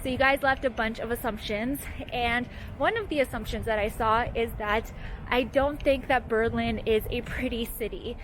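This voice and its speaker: A woman's voice: a little high, fairly even intonation, moderate pace, slight background noise, low-quality recording. A young Canadian woman chatting casually to her viewers while walking through a city with a handheld camera. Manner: chatty, upbeat, addresses viewers directly. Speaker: vlogger. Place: outdoors in a city street.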